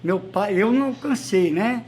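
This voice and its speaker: A man's voice: sits high, animated, normal speed, darkish tone. A man in his sixties, a local resident earnestly recounting his father's stories in an interview. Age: 60s. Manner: earnest, insistent on truth. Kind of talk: casual interview storytelling.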